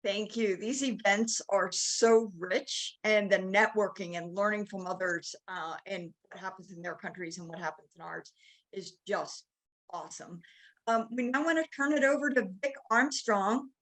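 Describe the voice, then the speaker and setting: A woman hosting a show in an enthusiastic, casual way, often pausing with ums. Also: mid-range voice, fairly bright tone. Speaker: show host. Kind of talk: casual chat.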